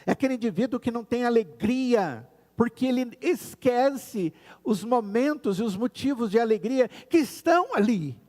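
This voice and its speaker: A Brazilian man preaching a sermon in a church sanctuary. His voice sits on the high side, and the reverb of the big room trails after each phrase. He talks earnestly and slows down to lean on his key words. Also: expressive, a little mellow. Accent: Brazilian Portuguese. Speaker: pastor.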